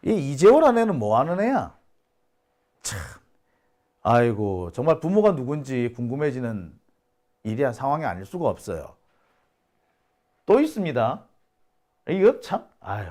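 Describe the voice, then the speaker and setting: A man's voice: medium pitch, very animated, unhurried, pauses often, mellow. A man hosting a solo news commentary, indignant and scoffing, sighing and exclaiming as he reads out rumors. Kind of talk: solo talk-show commentary.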